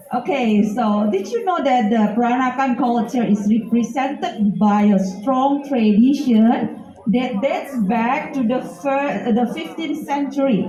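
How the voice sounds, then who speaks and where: A woman with an Indonesian accent speaks fairly slowly at a high pitch with ordinary pitch variation. Noticeable background noise and audible room echo fill the recording. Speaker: company executive. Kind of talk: speech at launch event. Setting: live event with audience. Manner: halting.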